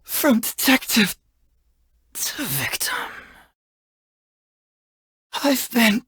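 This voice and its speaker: A man's voice: very high voice, very animated, extremely slow, fairly bright tone, husky, no room sound, clean studio sound, heavily acted. A man voicing a cheeky, confident young male detective in a video game, with breezy, playful, theatrical phrasing. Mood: strained, defeated. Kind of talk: scripted game character voice lines.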